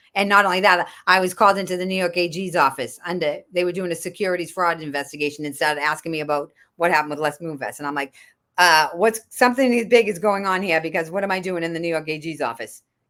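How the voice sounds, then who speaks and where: With a Boston accent, a woman talks very fast in an animated tone at a fairly low pitch, on a very clean recording with a silent background. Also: ordinary pitch variation. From Boston (Dorchester), US. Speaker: stand-up comedian. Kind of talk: interview.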